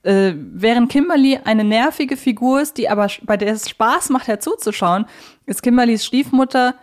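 A woman's voice: a little high, moderate pace. A woman co-hosting a talk podcast, reflecting aloud in a conversational, analytical way and explaining her view point by point. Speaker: podcast co-host.

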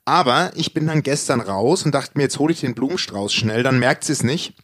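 A man co-hosting a podcast, casually telling an anecdote in a crude, animated, self-mocking way. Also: medium pitch, moderate pace, husky, dry recording, clean studio sound. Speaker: podcast co-host.

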